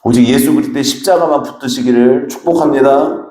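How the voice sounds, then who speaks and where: A man's voice: mid-range voice, brisk, dark tone. A male pastor preaching a sermon in a church, emphatic and exhorting, mixing in folksy anecdotes. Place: church sanctuary. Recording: echoey church sanctuary.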